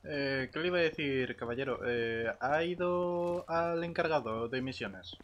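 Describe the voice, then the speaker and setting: A man streaming a roleplay game, chatting casually in a halting, hesitant way. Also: mid-range voice, a bit bright, muffled recording, slight background noise.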